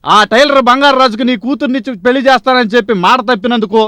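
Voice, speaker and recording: An actor playing an alarmed henchman rushing in with bad news, in a 1980s film drama. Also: extremely high pitch, smooth, dry recording, studio quality. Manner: excited, alarmed.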